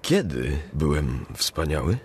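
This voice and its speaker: A man's voice: extremely low pitch, sing-song, takes it slowly, exaggerated voice. An actor playing a bewildered, polite male bookseller in a radio drama.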